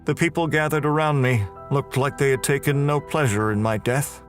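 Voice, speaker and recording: An actor playing an unrepentant condemned murderer who narrates his own execution in a heavy, deliberate horror audio drama style. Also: mid-range voice, natural voice. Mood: grim, resigned. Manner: slow, heavy, deliberate, halting delivery. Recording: music under the voice.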